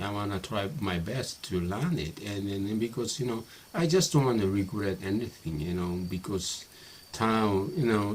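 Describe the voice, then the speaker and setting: Japanese-accented man in his 50s, lowish voice, halting casual vlog talk, faint room ambience. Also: a little hiss or hum. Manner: hesitant, many fillers and restarts. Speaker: YouTuber.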